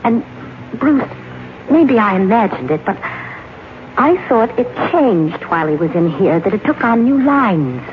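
An actress playing a frightened, anxious young woman in a 1950s radio horror drama, with a halting, fearful delivery. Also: mid-range voice, big pitch swings. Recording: thin, phone-like, noisy old radio recording.

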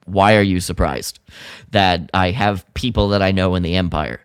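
A man's voice: low-pitched, moderate pace, smooth, dry recording, clean studio sound, voice pushed down. A man voicing an exasperated, dude-like male buddy in a comic retelling of a sci-fi radio play. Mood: defensive, exasperated. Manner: dude-like, put-upon. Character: exasperated slacker college-bro buddy of sci-fi hero.

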